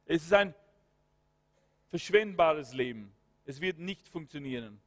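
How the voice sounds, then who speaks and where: Male preacher, sermon, fervent with hallelujahs and amens, high voice, long hall echo. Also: animated, measured pace. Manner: breaks into spoken prayer and commands.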